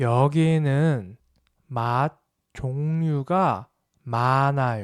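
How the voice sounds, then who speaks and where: Pauses are long and come frequently. Overall, the delivery is very slow. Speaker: Korean language teacher. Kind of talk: language-learning vlog narration. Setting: outdoors. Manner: slow, clear.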